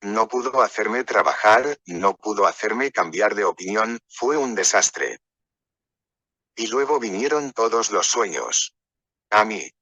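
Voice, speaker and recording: A man's voice: fairly low pitch, expressive, takes it slowly, sharp tone, no room sound. A man leading a workshop, telling personal stories in a rambling, conversational way. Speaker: workshop speaker. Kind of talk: storytelling lecture.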